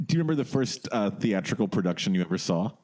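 Jokey male podcast co-host, lively pitch. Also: fast, slight background noise. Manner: playful, jokey, punning. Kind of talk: casual podcast interview.

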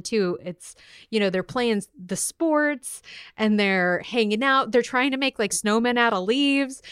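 Woman, podcast co-host, crystal-clear smooth voice, fairly high, playful, expressive, casual chat, dry sound. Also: dry recording.

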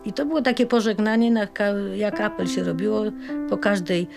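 An older woman reminisces in a creaky, mid-pitched voice. Loud guitar music plays behind her as she chats and recites from memory. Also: fairly quick. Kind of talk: casual reminiscing in conversation.

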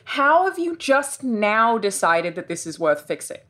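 A woman with a deep voice talking bluntly in a casual group discussion, swearing freely. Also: very animated, a little slow, fairly bright tone. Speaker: podcast panelist.

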